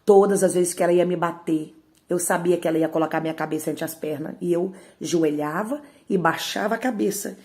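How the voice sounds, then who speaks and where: A woman with a lowish, warm voice delivers an emotional testimony at a brisk pace. She repeatedly addresses her listeners directly.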